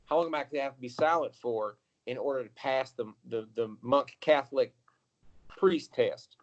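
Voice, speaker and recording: A gushing, clueless tourist who is easily thrilled, as a man plays him in an improv scene. He talks excitably, and his voice sits in an ordinary middle register. The sound is a little dull and lo-fi. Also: mid-range voice, normal speed, natural voice. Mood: puzzled. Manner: excitable, jumps between awe and letdown.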